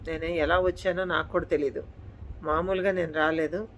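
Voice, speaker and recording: A woman's voice: deep voice, steady tone, moderate pace, slight background noise, lightly acted. A woman voicing a sullen, defiant girl who answers back with cold, dismissive retorts.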